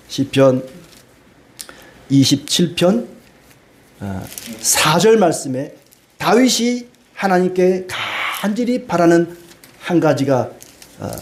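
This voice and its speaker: Animated middle-aged male pastor preaching. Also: fairly high pitch. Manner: lively, animated preaching with acted-out quotes and homey stories. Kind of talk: sermon.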